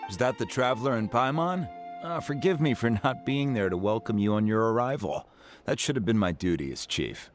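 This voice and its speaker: A man voicing a dignified tribal chief in a video game, speaking in a formal, earnest, deliberate way. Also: medium pitch, animated, lightly acted. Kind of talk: video game character dialogue. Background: faint background game music.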